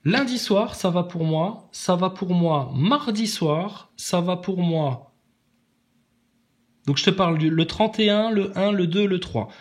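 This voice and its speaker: A man delivering a combative, mocking monologue aimed at his commenters, with big swings in pitch. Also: a little slow. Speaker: online commentator.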